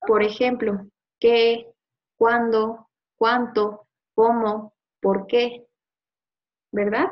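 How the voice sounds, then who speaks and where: A woman teacher giving a one-on-one review lesson, patiently quizzing and repeating words slowly. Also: a little high, flat delivery. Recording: slightly muffled lo-fi audio.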